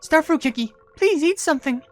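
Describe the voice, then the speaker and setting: A woman's voice: high-pitched, lively intonation, fairly quick, faint music behind. A woman voicing a small, devoted cookie attendant in a game cutscene, caring, eager and pleading. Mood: concerned. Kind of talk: video game cutscene voice acting.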